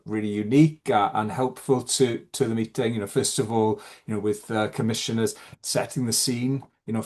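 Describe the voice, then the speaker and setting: A man from Wales wraps up an online forum in a mid-pitched voice. He talks in halting bursts, full of fillers and restarts. The sound is a video call. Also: darkish tone. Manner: hesitant, many fillers and restarts. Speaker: forum chair. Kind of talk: online meeting chat.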